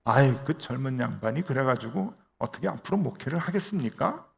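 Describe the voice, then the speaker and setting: A man voicing a blunt, teasing middle-aged male church deacon in a sermon story, with a gravelly voice. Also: mid-range voice, expressive, fairly quick.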